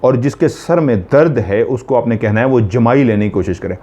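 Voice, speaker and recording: A man's voice: mid-range voice, moderate pace, warm tone, slight background noise. A man earnestly explaining spiritual remedies step by step, repeating each instruction to be sure it is followed. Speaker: spiritual healer teaching remedies.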